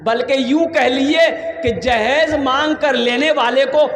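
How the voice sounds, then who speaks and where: High-voiced preacher in an echoey hall. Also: male voice, unhurried. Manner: animated, calls out questions to the audience. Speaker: Islamic preacher. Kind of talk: lively comic sermon to a crowd. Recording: echoey hall recording, faint background noise.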